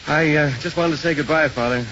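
A man's voice: on the high side, fairly quick, a bit bright, close to an everyday voice. A man playing a kindly, easygoing Catholic priest in 1950s radio drama. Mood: tender. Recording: muffled, hissy vintage radio broadcast.

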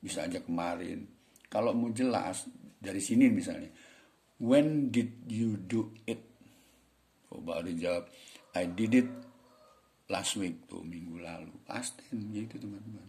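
A man teaching English grammar in a casual, chatty way, slowing down to read example sentences aloud and calling his viewers friends. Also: deep voice, gravelly, a little mellow. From Indonesia.

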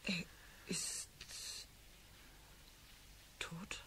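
An actress playing an earnest, emotional female bookkeeper in a radio play, speaking in a halting, dramatic way with a husky voice. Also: pushed and bright, whispered. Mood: shocked. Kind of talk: German radio play acting.

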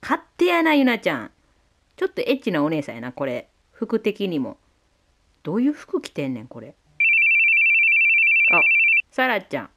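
A woman with a Kansai accent giving playful, excitable let's play commentary. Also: lowish voice, normal speed, gravelly, long pauses, slight background noise. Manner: playful, excitable, shouts at the screen. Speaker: game commentator.

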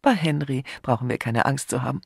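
A man voicing a smooth, wary hotel manager who speaks politely but turns sharp. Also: medium pitch, a little fast, no echo, clean studio sound.

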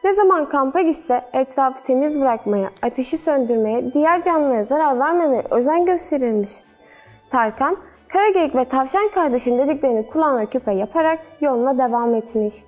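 A woman storyteller reading a children's fairy tale in a gentle, measured way. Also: high-pitched, expressive, soft background music.

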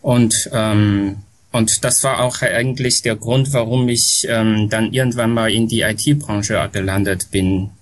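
A middle-aged man from China, a podcast guest talking slowly and hesitantly, with many pauses and restarts. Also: lowish voice, steady tone. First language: Chinese. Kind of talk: casual podcast conversation. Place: home near an airport. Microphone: remote call from home.

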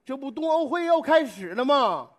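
A man's voice: very high voice, big pitch swings, normal speed. A man with a Northeastern Mandarin accent playing an easygoing visitor in a stage comedy sketch. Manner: easygoing, plain-spoken banter.

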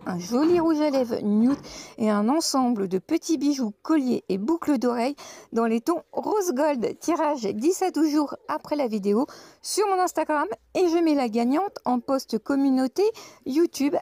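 A woman's voice: high-pitched, mellow. A woman filming a casual shopping walkthrough in a discount store, chatting to her viewers with many fillers and friendly asides. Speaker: shopping vlogger.

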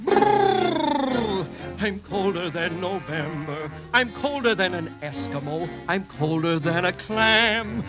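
A man's voice: sits high, animated, slow. A man singing as a boastful, shivering winter spirit in a theatrical comic 1930s radio style. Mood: boastful, chilly. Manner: sing-song, theatrical. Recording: muffled 1930s radio recording. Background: loud music.

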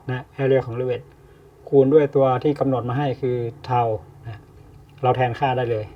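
A man teaching an engineering problem step by step, pausing often with fillers as he explains. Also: mid-range voice. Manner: slow, explains with many pauses and fillers. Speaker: engineering tutor. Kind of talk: step-by-step lecture. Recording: distant, dull lo-fi mic.

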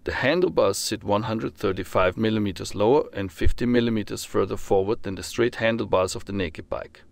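Low gravelly male voice-over. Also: fairly quick. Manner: steady, formal read-through of technical details. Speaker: motorcycle reviewer. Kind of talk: scripted voice-over narration.

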